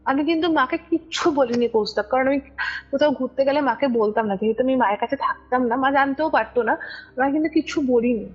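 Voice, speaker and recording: Over background music, in a muffled lo-fi recording, a young female guest recounts a ghost experience of her own. Her voice is high and husky, and she talks fast in a casual, conversational way, frequently making sure her listener keeps up.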